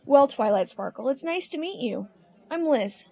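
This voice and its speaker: A woman's voice: high-pitched, expressive, normal speed, gravelly, mellow, faint music behind. A woman playing a curious, sociable young woman on a date in an amateur audio story. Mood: curious, friendly.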